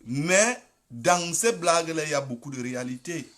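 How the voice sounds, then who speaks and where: Fervent high-voiced Cameroonian man. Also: expressive, normal speed, fairly bright tone. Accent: Cameroonian French. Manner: emphatic, repetitive, exhorting listeners. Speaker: political commentator. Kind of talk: impassioned political commentary.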